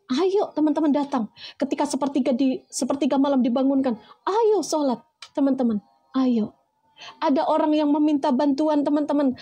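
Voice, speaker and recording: High, mellow-toned woman preacher giving a motivational talk to her listeners. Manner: addresses listeners as friends, asks rhetorical questions.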